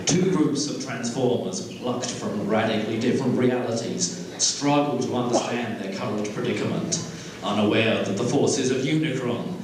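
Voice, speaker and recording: A man's voice: mid-range voice, moderate pace, a crowd in the background. A man reading dramatic scripted narration as a narrator. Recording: very echoey hall, clear background noise.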